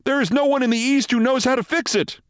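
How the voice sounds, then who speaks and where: Man as a panicky, high-pitched young intern. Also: fast talker, clear, resonant tone, dry recording, studio quality. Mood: alarmed. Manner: shouting, alarmed.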